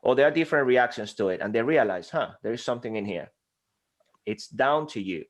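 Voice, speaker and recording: An animated man speaking English with a Venezuelan Spanish accent, his first language being Spanish. He talks as a guest coach in an interview at a desk microphone, passionate and lively, slipping into quick acted exchanges to make a point. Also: medium pitch. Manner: animated, passionate, acts out dialogues. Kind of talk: energetic interview conversation.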